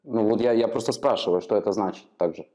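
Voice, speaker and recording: Speaking quickly in a lowish, warm voice, a native Ukrainian man in his thirties questions someone in an interview, giving long explanations as he probes. He's recorded on a lapel mic in a small office room.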